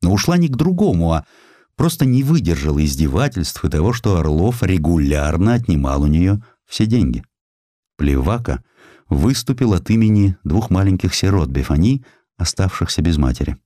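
A man's voice: low voice, normal speed, no room sound, clean studio sound. A man reading historical sketches as a dramatic, theatrical audiobook narrator. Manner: expressive, theatrical storytelling.

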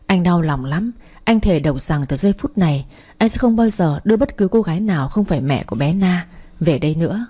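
A woman's voice: fairly low pitch, lively intonation, a little fast, dark tone, breathy edge. A woman reading a dramatic first-person story as narrator.

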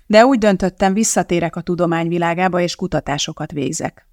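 A resolute woman chemist who hosts a television cooking show, voiced by an audiobook reader, speaks firmly to a studio crowd. Her delivery is raised and declaiming, with a gravelly edge. The recording is dry and close. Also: medium pitch, a little mellow, dry recording, lightly acted. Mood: rousing. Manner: firm, declaiming to a studio audience. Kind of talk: audiobook character voicing.

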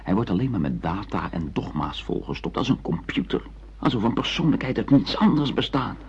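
An actor playing a bitter, provocative grown son in a radio drama, talking in a sardonic, accusing way. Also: male voice, on the low side, animated, a little fast, a little mellow, slight background noise. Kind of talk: Dutch radio drama acting. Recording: dull, muffled radio play recording.

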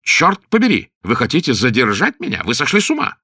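A man voicing an enraged, haughty English nobleman in a storybook reading, shouting with indignation. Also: mid-range voice, wildly swooping pitch, brisk, no echo, clean studio sound, voice pushed up, exaggerated voice. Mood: furious.

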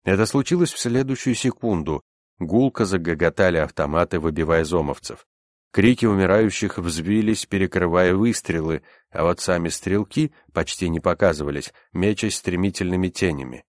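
Deep-voiced male audiobook narrator. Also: normal speed, no room sound, clean studio sound. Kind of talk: scripted narration.

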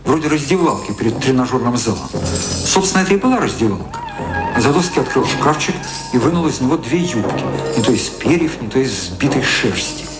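A man's voice: medium pitch, sing-song, brisk. Echoey male narrator over music. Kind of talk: scripted radio drama narration. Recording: roomy echo.

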